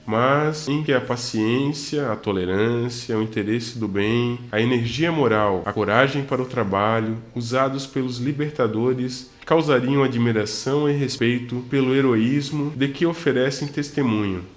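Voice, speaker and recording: A man playing a solemn, instructive priest spirit in an amateur radio drama, speaking in a measured, sermon-like way. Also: mid-range voice, lightly acted. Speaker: radio novela character.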